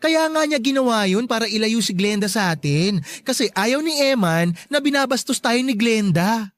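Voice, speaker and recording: An actor playing a sassy, campy gay best friend in a Tagalog radio drama, teasing and bluntly caring, drawing out emphatic words. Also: male voice, very high voice, lively intonation, normal speed, fairly bright tone, no echo. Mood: blunt, encouraging.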